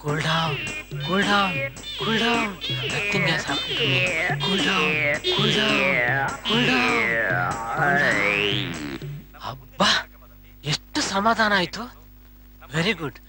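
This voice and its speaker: A man's voice: high voice, very animated, very slow, pauses often, over loud music, exaggerated voice. An actor playing a widowed father, talking with his mother and to himself in a film scene. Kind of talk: film acting.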